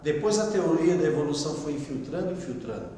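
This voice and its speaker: A Brazilian man teaching a Bible class as pastor, reading a text and explaining it in a conversational way with quiet asides. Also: on the high side, expressive, quick pace. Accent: Brazilian Portuguese. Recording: echoey room with long reverb.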